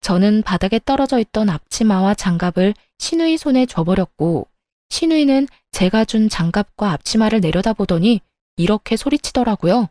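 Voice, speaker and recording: Woman in her 30s telling a family story, mellow dark voice, calm and plain. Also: medium pitch, moderate pace, dry recording, clean studio sound. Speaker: storyteller narrating a first-person family story. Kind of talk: scripted story narration.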